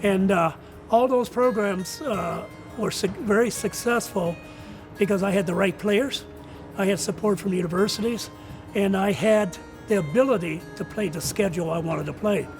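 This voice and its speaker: Older man, high creaky voice. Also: normal speed, over music, poor audio. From outside the United States. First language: not English. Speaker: college soccer coach. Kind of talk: interview answers.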